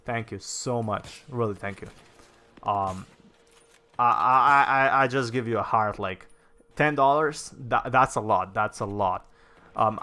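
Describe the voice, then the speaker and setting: A man's voice: medium pitch, pushed and bright. A young man from Slovenia, chatting casually on a gaming livestream and answering viewer comments, rambling with lots of fillers and repeated words. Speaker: gaming streamer.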